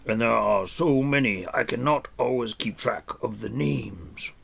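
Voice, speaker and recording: A man voicing a huge, white-bearded old hermit who is stern but kindly and talks in a slow, musing, absent-minded way. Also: mid-range voice, gravelly, fairly bright tone, breathy edge, heavily acted. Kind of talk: audiobook character voice.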